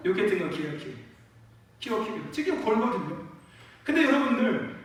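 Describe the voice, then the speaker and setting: A man preaching a sermon in a church, animated, often rising to shouts and calling for amens. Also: high-pitched, moderate pace. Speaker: pastor. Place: church sanctuary. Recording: echoey church hall from far off.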